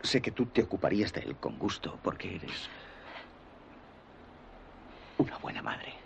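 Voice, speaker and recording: A man's voice: low-pitched, animated, a little slow, creaky, muffled recording, slight background noise, full character voice. An anxious devoted father. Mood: tender. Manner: urgent and anxious, then gentle and soothing. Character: worried adult father, protective and devoted. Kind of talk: Spanish film dub.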